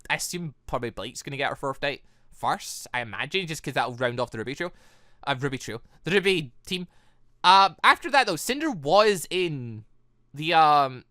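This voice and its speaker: Animated, bright-voiced gaming video host. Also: mid-range voice, moderate pace, no echo, studio quality. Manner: rambling, thinking aloud, self-correcting. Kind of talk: casual, excitable game commentary.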